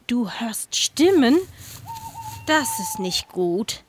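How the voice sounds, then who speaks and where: A woman voicing a gruff, touchy, bearded old male forest troll in a comic audio play. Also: a little high, wildly swooping pitch, drawn-out words, a little hiss or hum, full character voice. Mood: worried.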